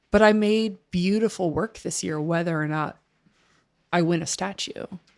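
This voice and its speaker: On a very clean recording with a silent background, a woman with an ordinary speaking voice talks at a moderate pace and fairly low pitch, with ordinary pitch variation. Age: 40s. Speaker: business school lecturer and author. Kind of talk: interview.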